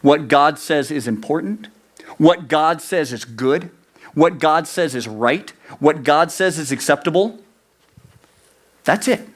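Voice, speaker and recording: A young man preaching a youth sermon, animated, acting out the inner voices of his listeners. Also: fairly high pitch, takes it slowly. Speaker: youth pastor.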